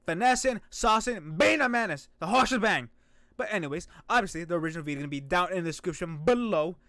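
A male streamer with a very high voice and swooping, lively delivery gives excited reaction commentary. He is playful and slangy, often breaking into shouts, with a bit of fry in the voice and music playing behind him. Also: quick pace, dry recording, studio quality. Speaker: VTuber streamer reacting to an animation. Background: music and video audio.

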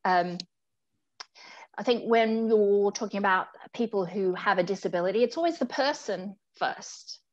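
A woman's voice: medium pitch, normal speed, highs cut off. A middle-aged woman from Australia, a communications executive, speaking earnestly as a guest on a video call interview from home. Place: home room indoors.

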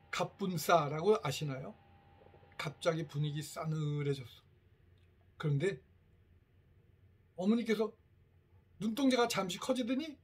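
Casting: husky middle-aged male teacher, a bit high-voiced, storytelling lecture to parents. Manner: lively storytelling, acts out quoted family lines. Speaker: teacher giving a parent workshop. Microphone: lecture recording, in front of a camera.

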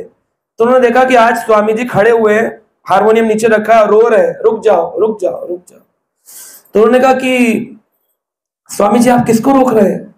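High-voiced man preaching in an echoey room. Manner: storytelling, asks rhetorical questions. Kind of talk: devotional discourse with questions from listeners.

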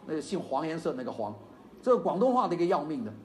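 An older man with a Chaozhou-tinged Mandarin accent giving a university lecture, animated and digressive, with many fillers and asides. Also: a little high, fast talker, slight background noise. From China.

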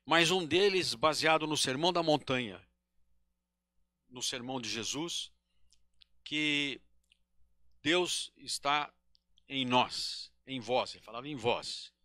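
A Brazilian man in his sixties, a spiritist lecturer, gives a devotional talk from a podium in a small hall, holding a microphone. He speaks slowly and haltingly, pausing and correcting himself, in a medium-pitched voice with a sharp tone. The recording is studio quality.

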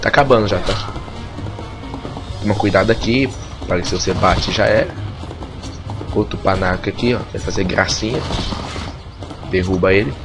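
A man's voice: fairly low pitch, normal speed, long pauses, over music. A Brazilian man giving casual gameplay commentary in a strained voice, as if his tonsils are swollen and his throat inflamed. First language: Portuguese. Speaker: gamer narrating a let's play.

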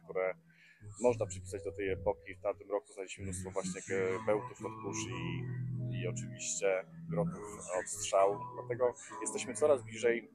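Outdoors in a garden in summer, a man in his forties with a lowish voice is interviewed on a lapel mic about the metal-detecting rally he organizes. He sounds hesitant, full of fillers and restarts, and the recording is rough.

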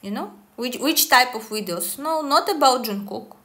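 A woman, talking casually to the camera in deliberate, halting English. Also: a little high, lively intonation, a bit bright. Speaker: online esoteric coach. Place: small indoor room, seated at a table.

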